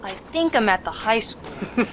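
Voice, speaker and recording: A woman's voice: medium pitch, animated, measured pace, noisy background. A woman hosting a casual gaming video, explaining things with joking asides. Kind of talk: casual let's play commentary. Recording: clear game music behind voice. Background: game music.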